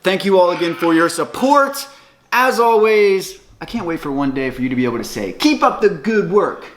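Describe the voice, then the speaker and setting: A man's voice: a little high, expressive, fairly quick. A young man talking casually to camera in a home vlog, earnest and motivational. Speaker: vlogger.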